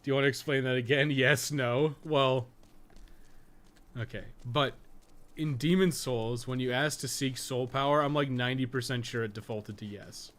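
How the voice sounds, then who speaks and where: A man's voice: mid-range voice, fairly even intonation, normal speed, fairly bright tone. A man giving casual, rambling live-stream game commentary, swearing and joking with his chat as he plays.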